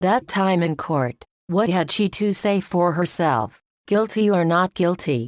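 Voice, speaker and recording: In a put-on character voice, a woman speaks at a fairly low pitch and a fairly slow pace, with a dry, close sound, no echo and a quiet background. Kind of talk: modernist stage monologue. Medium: audio drama. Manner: fragmented, breathless torrent of phrases.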